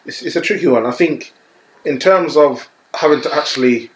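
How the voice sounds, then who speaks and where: A man's voice: a little high, normal speed, echoey room. A man, a podcast guest chatting casually and animatedly, often repeating "you know what I'm saying". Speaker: podcast guest, content creator. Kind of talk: casual chat.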